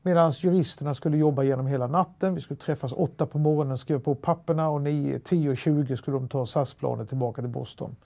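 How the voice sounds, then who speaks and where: This middle-aged man from Sweden speaks with a Halland dialect and a fairly high, gravelly voice, with few pauses. He is recounting a story in an interview, lively and anecdotal, with many fillers and restarts.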